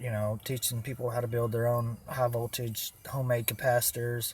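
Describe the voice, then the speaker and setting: This man talks at a fairly slow pace with a somewhat breathy voice. His intonation is monotone and flat. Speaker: YouTuber doing live Q&A on homemade electronics. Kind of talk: live stream Q&A. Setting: live stream from laptop. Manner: halting, many fillers and repeats.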